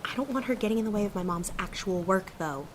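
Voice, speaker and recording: A woman's voice: medium pitch, animated, fast talker, natural voice. Blunt, sardonic young woman, acted, noisy background. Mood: fed up, angry. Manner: curt, sardonic. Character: blunt, defiant young daughter of the town mayor. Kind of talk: audio drama acting.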